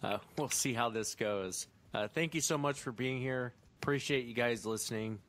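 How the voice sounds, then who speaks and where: A man with a medium-pitched voice introduces a podcast conversationally. His mouth is slightly numb from dental work as he talks. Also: normal speed, fairly bright tone. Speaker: podcast host.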